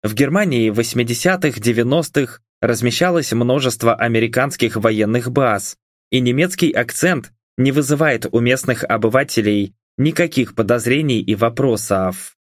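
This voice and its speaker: A male narrator reading a first-person audiobook in a calm, even way. His voice sits in a middle range. The recording is dry, with no room sound. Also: mid-range voice, moderate pace, dry recording.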